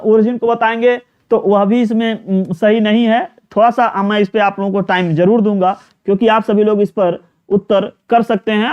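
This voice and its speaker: The audio is dull, but the man's high voice comes across smooth. He's a Hindi teacher giving a live online exam-prep lesson, explaining each question, repeating words, repeatedly asking students to respond, and using many fillers.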